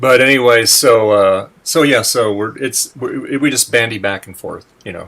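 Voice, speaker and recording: In an unremarkable speaking voice, a man of medium pitch talks at a moderate pace with hardly any pauses, ordinary pitch variation and big swings in loudness. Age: 60s. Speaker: vintage computer youtuber, stream host. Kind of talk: casual chat.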